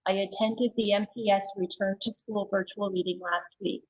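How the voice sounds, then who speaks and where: A woman reading written public comments aloud at a school board meeting, steady and plain, with a few hesitant asides. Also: mid-range voice, normal speed, slightly rough, low-quality recording.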